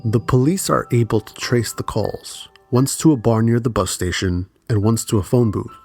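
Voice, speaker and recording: A man reading scripted true crime documentary narration in a measured, serious way. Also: medium pitch, darkish tone, faint music behind.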